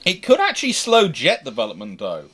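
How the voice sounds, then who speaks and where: A man's voice: medium pitch, wildly swooping pitch, fairly quick, a bit bright, slight background noise. A man hosting an unscripted history discussion, talking discursively and emphatically and often correcting himself. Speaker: naval history show host.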